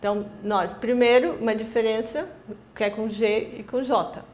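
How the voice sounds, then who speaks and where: A woman's voice: on the high side, fairly even intonation, moderate pace, a little mellow. A Brazilian woman teaching a recorded Spanish lesson, explaining pronunciation with many fillers and restarts. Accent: Brazilian Portuguese. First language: Portuguese. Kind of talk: distance-learning lesson.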